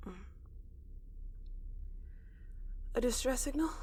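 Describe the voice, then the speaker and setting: A woman's voice: racing, darkish tone, slightly rough. A woman playing a weary, stubborn young woman spacefarer in a science fiction audio drama, blunt and sardonic. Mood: groggy, sardonic. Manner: blunt, low-key.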